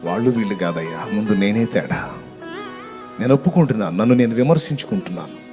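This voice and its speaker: A man preaching a sermon and leading prayer in an impassioned, pleading way, moving between loud cries and hushed tones. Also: fairly low pitch, animated, fast talker. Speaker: pastor. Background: music.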